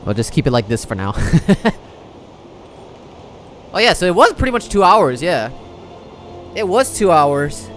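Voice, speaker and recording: A man's voice: on the high side, very animated, unhurried, long pauses, soft background music. A man livestreaming a video game, chatting casually with viewers and rambling as he thinks aloud.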